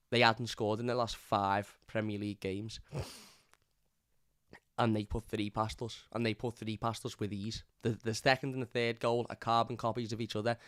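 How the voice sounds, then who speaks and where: A hoarse man, hosting a live fan review and ranting bluntly. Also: lowish voice, fairly bright tone, dry recording, clean studio sound. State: hoarse from lost voice. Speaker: fan channel host. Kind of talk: live stream match review.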